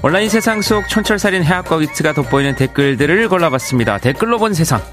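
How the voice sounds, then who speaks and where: A man's voice: on the high side, lively intonation, quick pace, loud music behind the voice. A man with a Daegu-Gyeongbuk accent hosting a radio show, casually chatting and reading out listener messages with easy laughs. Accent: Daegu-Gyeongbuk dialect. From Yeongcheon, South Korea. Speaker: radio host. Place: radio studio. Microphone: studio microphone.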